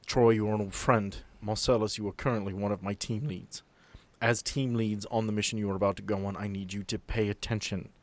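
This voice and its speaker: A man voicing a grave, commanding woman boss who briefs her agents in a tabletop game, measured and earnest. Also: fairly low pitch, steady tone, close to an everyday voice.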